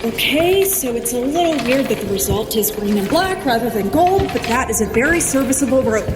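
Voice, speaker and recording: High-voiced, commanding sorceress, played by a woman. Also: lively intonation, fairly quick, roomy sound, recorded from a distance, noisy background, close to an everyday voice. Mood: brisk, commanding. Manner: bossy, dry, sarcastic. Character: brisk, sarcastic, commanding young sorceress superheroine. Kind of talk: scripted audio drama acting.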